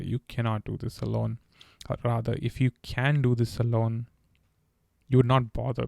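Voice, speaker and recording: A man hosting a solo podcast speaks candidly and earnestly, offering advice while now and then tripping on a word and beginning again. His voice is a little mellow but gravelly and edged with fry, its pitch staying level. It's recorded close and dry, with no room ambience and no echo.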